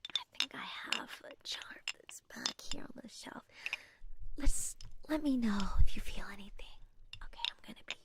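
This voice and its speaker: Whispering woman as a scatterbrained witch. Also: fairly high pitch. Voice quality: breathy whisper. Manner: unhurried, murmuring to herself. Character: scatterbrained, kindly witch brewing potions for a customer. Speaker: ASMR roleplay performer. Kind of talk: soft-spoken ASMR roleplay.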